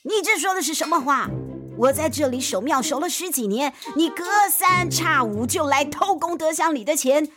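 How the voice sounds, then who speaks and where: Woman playing a grumpy old temple keeper, scolding, indignant, high-pitched, music behind. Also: lively intonation, normal speed.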